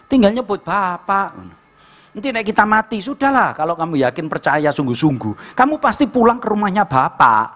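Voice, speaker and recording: Animated East Javanese preacher, high voice. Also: male voice. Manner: joking, blunt preaching with rhetorical "right?" asides. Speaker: pastor. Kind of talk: sermon.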